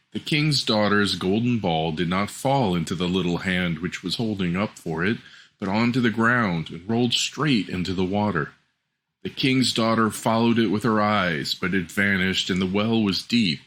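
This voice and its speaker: A man with a fairly low voice tells a fairy tale. His tone is bright and forward, and his scripted storytelling is measured and expressive.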